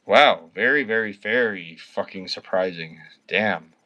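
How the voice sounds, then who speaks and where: Drunk man, bright tense voice. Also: on the low side, unhurried. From Canada. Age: 30s. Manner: rambling, swears constantly. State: drunk, slurring words. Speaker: livestreamer. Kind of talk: casual livestream chat with viewers.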